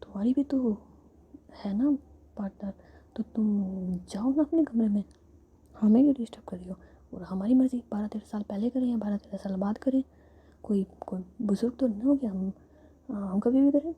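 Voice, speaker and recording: A woman's voice: mid-range voice, moderate pace, slightly rough, lo-fi sound. A woman whispering the part of a mock-indignant middle-aged father in a told story.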